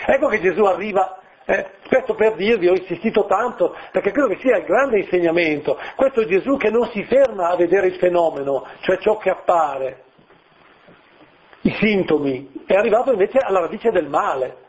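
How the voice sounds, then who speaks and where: A man's voice: sits high, expressive, moderate pace, muffled recording. A middle-aged man, a priest, preaching a sermon in a conversational way, asking his listeners questions and acting out little voices.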